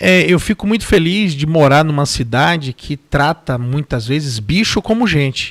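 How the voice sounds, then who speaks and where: Speaking with a northeastern Brazilian accent, a man uses lively intonation and a fairly high pitch. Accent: Brazilian northeastern (Bahian). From Brazil, Northeast (Salvador, Bahia). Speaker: police forensic expert. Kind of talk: interview. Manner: halting, repeats words.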